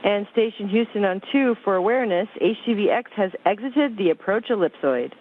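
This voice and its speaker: A woman's voice: mid-range voice, lively intonation, a little fast. A woman working as a spacecraft communicator, giving clipped procedural calls over a radio link. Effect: radio transmission. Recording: tinny narrowband space-to-ground radio link.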